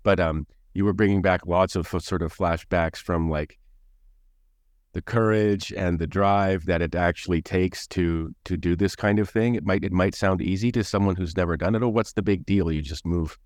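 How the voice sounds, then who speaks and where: A man's voice: low voice, fairly even intonation, normal speed, darkish tone, dry recording, clean studio sound. A man hosting an interview, asking questions with many restarts and fillers. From English-speaking country. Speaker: podcast host, interviewer. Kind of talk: casual interview chat.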